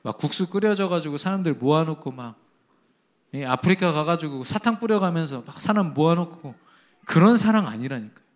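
Guy preaching a sermon, kinda high voice, emphatic, swings from loud to quiet. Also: expressive, fairly quick. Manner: emphatic, rising to loud exhortations then dropping low; tells a family anecdote with quoted dialogue.

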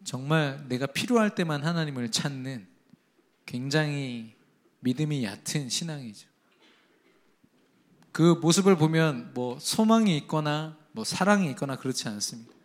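A man preaching a sermon, emphatic, rising to strong exhortations and dropping low again, with quoted dialogue in his stories. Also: lively intonation, normal speed. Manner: tells a family anecdote with quoted dialogue.

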